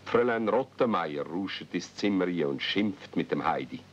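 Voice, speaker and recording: Swiss german guy telling a kids radio story, really low voice, muffled old recording. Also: expressive, moderate pace. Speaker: narrator. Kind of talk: storytelling narration for a children's radio play. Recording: dull 1970s recording with rumble.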